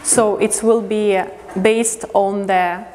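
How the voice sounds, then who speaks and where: A woman from Latvia gives a prepared lecture as an artist in English, halting as she looks for words. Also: medium pitch, steady tone, darkish tone, slight background noise. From Riga, Latvia. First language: not English. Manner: halting, pausing to find words. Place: indoor museum lecture space. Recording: long reverberant hall.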